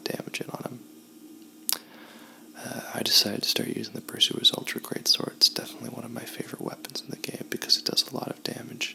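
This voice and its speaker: A man whispers in a relaxed tone at a fairly quick pace. Noticeable background noise runs underneath. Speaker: ASMR video game commentator. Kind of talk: ASMR gameplay commentary, casual talk to camera. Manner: soft-spoken, whispering, relaxed.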